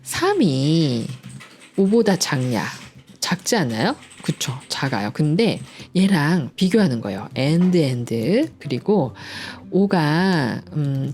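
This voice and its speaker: Cheerful female coding tutor, low voice that swings up and down a lot, light faint music behind. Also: a little mellow. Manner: playful, cheerful, sound effects like "짠짠짠"; chatty and patient explaining. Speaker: coding instructor. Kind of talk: screen-recorded programming lesson.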